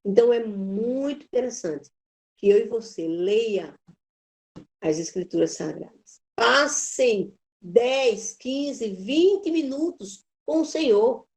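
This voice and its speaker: A woman lecturing a Bible class in a somewhat high, mellow voice. She preaches emphatically and repeats her key phrases. She weaves a personal story into the lesson. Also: lively intonation, slow. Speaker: Bible institute teacher.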